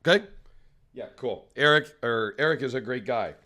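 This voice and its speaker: A man talks casually straight to camera, his voice a touch raspy and tired after a long trip. He rambles along in a friendly, self-deprecating way at an ordinary mid pitch. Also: lively intonation, normal speed, sharp tone. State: slightly raspy, tired from travel. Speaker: knife channel host. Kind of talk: casual solo vlog.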